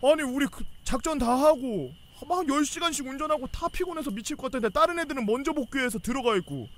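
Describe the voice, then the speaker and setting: A young man casually telling a rowdy army story, swearing a lot and shouting out the officers' lines. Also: extremely high pitch, quick pace, a little hiss or hum. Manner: animated, swearing, acts out yelling officers.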